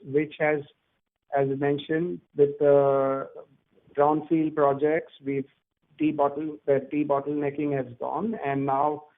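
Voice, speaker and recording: A man's voice: fairly high pitch, level tone, a little slow. A man, a company executive explaining and answering questions on a conference call, often hesitating and restarting phrases. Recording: muffled narrow-band phone line.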